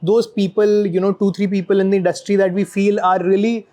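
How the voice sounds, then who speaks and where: A moderator guiding a roundtable and speaking haltingly, with many fillers. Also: medium pitch, flat delivery, mellow, dull audio. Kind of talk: casual roundtable discussion.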